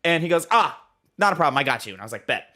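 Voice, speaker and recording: Lively, laughing podcast co-host man. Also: on the high side, rapid-fire. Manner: animated storyteller, laughs often. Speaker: podcast co-host running the minigame. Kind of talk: casual podcast chat. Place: podcast recording, indoors.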